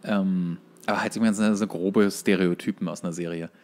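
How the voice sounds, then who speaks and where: A man co-hosting a podcast in casual conversation, often halting as he searches for words. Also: sits low, fairly even intonation, darkish tone. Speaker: podcast co-host. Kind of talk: casual podcast chat about cartoons.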